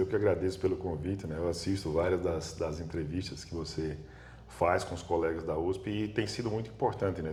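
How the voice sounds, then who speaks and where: With a northeastern Brazilian accent, a man talks at a fairly quick pace in a very deep, low, dark and mellow voice that is somewhat breathy, with audible room echo around him. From Brazil, Natal, Rio Grande do Norte. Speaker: chemistry professor. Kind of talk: interview. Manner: hesitant, many repetitions.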